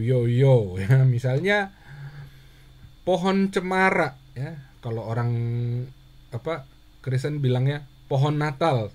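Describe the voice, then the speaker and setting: A man teaching a handwriting lesson, patient and steady, who asks questions and answers them himself. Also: mid-range voice. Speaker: Russian language teacher.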